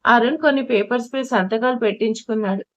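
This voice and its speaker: A woman with a fairly high voice narrates an emotional audio story, reading expressively and sometimes correcting a slip. The recording is muffled and lo-fi. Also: fast, no room sound. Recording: dull lo-fi recording.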